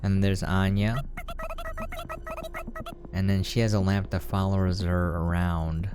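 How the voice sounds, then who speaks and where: Low-pitched casual game commentator over music. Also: flat delivery, takes it slowly. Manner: musing, explanatory.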